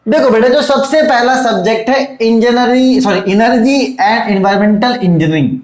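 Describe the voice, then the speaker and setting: A man's voice: very high-pitched, moderate pace. Fatherly tutor man, echoey room. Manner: fatherly, calls students "beta", keeps asking "theek hai". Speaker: online tutor. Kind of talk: casual video lecture.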